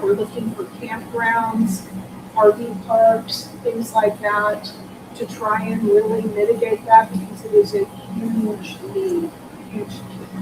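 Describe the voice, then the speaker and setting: A woman who works at a shelter agency, answering questions at a community meeting in a loud, animated way that often restarts mid-sentence. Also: a little high. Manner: animated, self-interrupting answers. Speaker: shelter program staff. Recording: distant mic with background noise.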